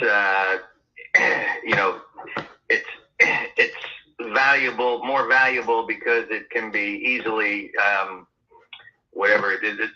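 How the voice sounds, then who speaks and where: A man's voice: lowish voice, bright, forceful tone. A man selling his house talks on a phone call, hesitant and full of fillers and restarts. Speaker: home seller on a call. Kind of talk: phone conversation. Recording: tinny phone line.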